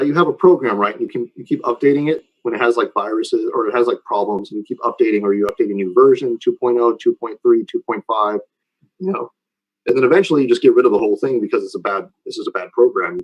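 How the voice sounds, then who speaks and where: A man's voice: medium pitch, quick pace, slightly rough, muffled recording. A man lecturing informally and taking questions, explaining in a conversational way and often checking that listeners follow.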